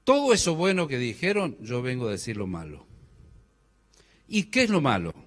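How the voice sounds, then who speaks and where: A man's voice: mid-range voice, wildly swooping pitch, moderate pace, a bit bright. A middle-aged man from Córdoba, Argentina, with a Cordoban accent, giving a joking conference talk and quizzing the audience with questions. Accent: Argentine Spanish, Córdoba. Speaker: speaker at a business conference. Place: large hall. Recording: hall reverb.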